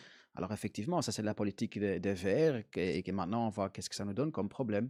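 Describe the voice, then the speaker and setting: A man with a Dutch accent talks at a very fast pace and fairly low pitch, on a very clean recording with a silent background and a dry, close sound with no echo. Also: ordinary pitch variation, big swings in loudness. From Belgium, Antwerp. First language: Dutch (speaking French). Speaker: politician. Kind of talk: radio interview. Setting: radio studio. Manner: halting.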